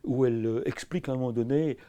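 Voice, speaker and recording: A man's voice: medium pitch, fast talker, mellow, clear, resonant tone, dull audio. A middle-aged man with a Belgian French accent, an anthropology professor answering in a filmed interview, hesitant with many fillers and restarts. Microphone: camera crew sound.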